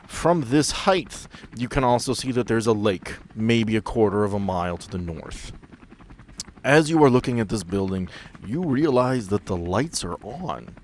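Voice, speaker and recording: Low-voiced man narrating a tabletop game. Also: expressive, normal speed, slight background noise. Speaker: game master.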